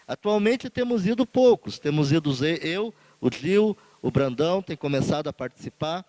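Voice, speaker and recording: A man's voice: fairly high pitch, expressive, moderate pace, mellow, no echo. Earnest Brazilian man giving a speech. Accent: Brazilian Portuguese. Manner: earnest, emphatic, rhetorical lists. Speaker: union leader speaking at a conference. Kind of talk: formal conference speech.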